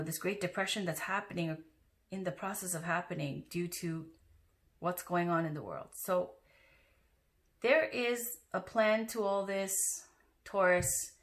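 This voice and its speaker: A woman's voice: fairly low pitch, a bit bright. Chatty woman reading tarot. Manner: chatty, loose and informal, with many fillers and asides. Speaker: tarot reader. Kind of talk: casual tarot reading to camera.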